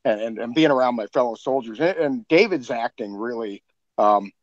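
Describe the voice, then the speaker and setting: A man's voice: mid-range voice, no echo. Earnest ex-army man, dry dull mic. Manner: earnest, halting, many restarts. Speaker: sound designer and co-host. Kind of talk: casual podcast chat.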